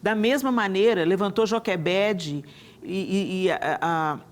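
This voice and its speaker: In a television studio, a woman with a medium-pitched voice hosts a talk show at an unhurried pace. She's enthusiastic, frequently restarts her sentences and uses tag questions.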